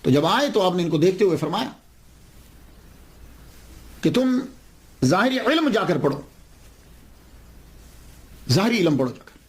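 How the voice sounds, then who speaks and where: A man delivers a devotional lecture as a story. His voice sits a little high and swings widely in pitch. He repeats key phrases and poses questions that he answers himself. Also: sing-song, long pauses. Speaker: religious lecturer.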